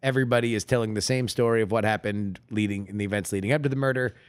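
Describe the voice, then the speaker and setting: A man co-hosting a podcast in casual chat, halting with many fillers and restarts. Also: lowish voice, fairly even intonation, clean tone. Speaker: podcast co-host.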